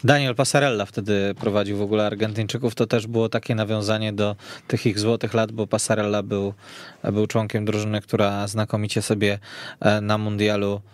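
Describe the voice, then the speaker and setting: Low, even-toned male radio host. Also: a little fast. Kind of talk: hosting a sports discussion podcast. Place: radio studio.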